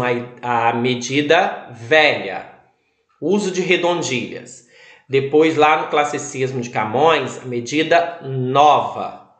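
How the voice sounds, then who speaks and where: A male teacher giving a recorded video lesson, explaining slowly and stressing each syllable. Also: fairly high pitch, fairly bright tone, roomy sound.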